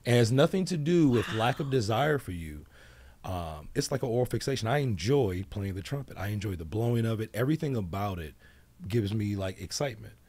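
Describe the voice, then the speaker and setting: Podcast guest, man in his 40s, low husky voice, frank and animated. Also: brisk. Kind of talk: casual podcast chat.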